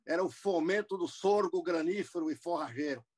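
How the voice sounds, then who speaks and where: A man's voice: on the high side, brisk, a little mellow. A man in his seventies from the United States, a businessman guest telling his life story in a rambling interview manner over a video call. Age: 70s. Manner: rambling, with many restarts and asides. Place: indoor room at home.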